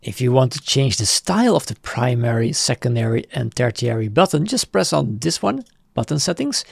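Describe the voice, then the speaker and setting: Man, tutorial host, casual upbeat walkthrough, husky, lively pitch, dry close sound. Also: moderate pace, no room sound. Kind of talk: screen-recorded software tutorial.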